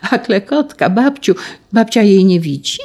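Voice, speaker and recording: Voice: mid-range voice, sing-song, normal speed, darkish tone, voice pushed up. A storybook reader voicing a poor young peasant boy who calls out eagerly in a raised voice. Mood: excited.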